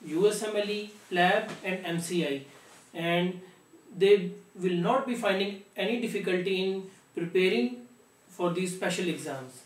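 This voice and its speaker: A young man delivers a formal scripted address as an academic director. His voice is high for a man, with clear room echo and a slightly distant mic. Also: measured pace. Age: young adult. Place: small office, seated at desk.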